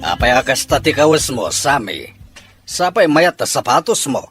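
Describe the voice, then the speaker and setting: A man playing a stern, suspicious middle-aged father in an audio drama, with a husky voice and a gruff, questioning manner. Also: mid-range voice, very animated, normal speed, music in the background, natural voice. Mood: probing. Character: stern, suspicious father interrogating his grown child.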